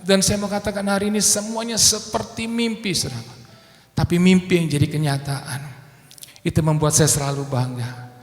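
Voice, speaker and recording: A middle-aged male pastor giving a sermon testimony, swinging between loud exhortation and hushed, emotional confession. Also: sits high, moderate pace. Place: church sanctuary. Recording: echoey church hall with music.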